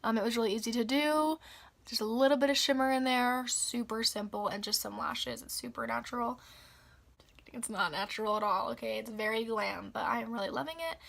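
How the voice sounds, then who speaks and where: A young woman with a raspy, slightly hoarse voice after the flu, chatting casually through a makeup tutorial. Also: on the high side, a little fast, fairly bright tone. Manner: chatty, upbeat, filler-heavy. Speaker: beauty vlogger.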